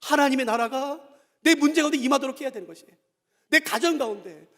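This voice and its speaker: A man preaching a sermon as a pastor, telling a story with acted-out dialogue and building to forceful appeals. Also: very high voice, fast. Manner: storytelling, acts out quoted voices, rising to forceful exhortation. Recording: long hall reverb.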